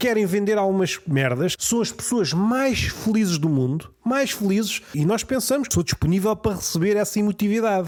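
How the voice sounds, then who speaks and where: Speaking at a moderate pace with hardly any pauses, a man with a European Portuguese accent uses a high pitch, lively intonation and very even loudness. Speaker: comedian. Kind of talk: comedic monologue. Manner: animated.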